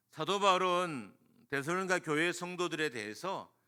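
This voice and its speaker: A man's fairly high voice with a bright, sharp tone at a fairly slow pace. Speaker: pastor. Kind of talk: sermon. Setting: church.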